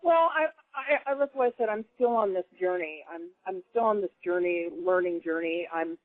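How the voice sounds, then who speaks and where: A woman guest on a radio talk show telling stories in an animated, laughing way. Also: on the low side, normal speed, no room sound. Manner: animated storyteller, laughs often. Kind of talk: casual radio chat. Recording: dry phone-line call audio.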